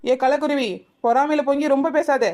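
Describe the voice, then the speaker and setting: A woman's voice: sits high, steady tone, close to an everyday voice. A woman playing a young village wife who banters sharply with her neighbours and feels let down by her husband. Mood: teasing. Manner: quick, sharp-tongued teasing, then wounded. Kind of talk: village family drama acting.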